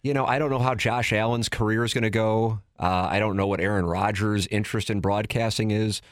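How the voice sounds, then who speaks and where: A man's voice: lowish voice, steady tone, fairly quick, dry recording, clean studio sound. A man hosting a sports talk show, giving strong opinions in casual chat and restarting his sentences as he thinks aloud. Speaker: sports radio host.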